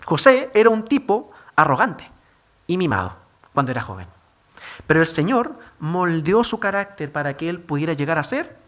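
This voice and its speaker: A man with a Chilean accent preaching a sermon, emphatic and animated, firing rhetorical questions at the congregation. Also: high voice. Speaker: pastor.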